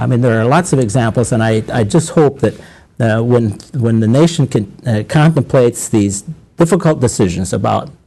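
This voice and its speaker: Moderate speed and ordinary pitch variation from a man with a somewhat breathy voice. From United States. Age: 60s. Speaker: retired navy admiral, satellite industry advisor. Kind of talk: radio panel discussion.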